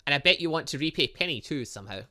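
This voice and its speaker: A teasing young schoolgirl from a visual novel game, acted out by a man. The delivery is bright and lively, with a breezy know-it-all manner. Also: on the high side, racing. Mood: explaining. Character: brash, teasing young female student in a top hat.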